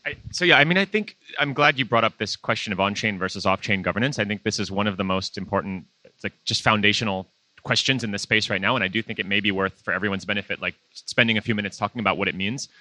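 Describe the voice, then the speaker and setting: A man with a loud voice who talks frankly and emphatically in a live panel discussion, restarting his sentences often. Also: lowish voice, quick pace, no room sound. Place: conference venue.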